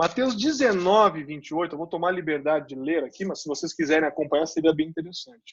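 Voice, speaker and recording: A man speaks at a fairly quick pace with a fairly high pitch. His pitch variation is ordinary. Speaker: Bible teacher. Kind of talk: Bible study lecture. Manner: fast.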